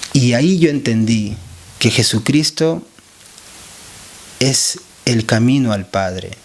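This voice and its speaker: Earnest evangelist, testimony style, halting delivery. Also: male voice, mid-range voice. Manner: earnest, halting, with pauses and restarts. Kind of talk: spoken religious testimony.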